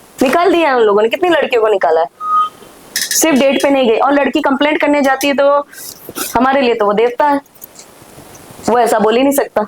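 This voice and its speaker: Loud and animated, a woman speaks at a moderate pace in a high pitch with ordinary pitch variation and long, frequent pauses, over noticeable background noise. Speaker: former corporate manager, podcast guest. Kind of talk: interview conversation. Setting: live podcast.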